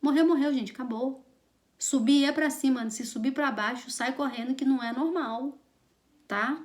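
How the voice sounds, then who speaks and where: A woman's voice: high voice, moderate pace. A woman teacher with a Brazilian Portuguese accent giving a recorded online lesson, playful and chatty with teasing examples.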